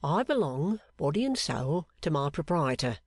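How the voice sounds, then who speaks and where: A narrator voicing an odd, sharp-eyed male clerk who speaks low and confidingly, teasing with questions. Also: very animated, normal speed, breathy edge, dry recording, clean studio sound. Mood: sly, confiding. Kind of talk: audiobook character voice.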